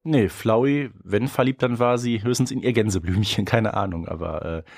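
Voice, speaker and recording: A man's voice: lowish voice, moderate pace, creaky, darkish tone. A man co-hosting a podcast, chatting in a colloquial, playfully opinionated way. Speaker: podcast co-host. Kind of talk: casual podcast chat.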